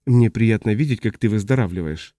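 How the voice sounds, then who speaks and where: A man reading the part of a calm, gentle woman who reassures a sick friend. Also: fairly low pitch, a little fast, no room sound, studio quality, lightly acted. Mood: soothing. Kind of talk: audiobook character reading.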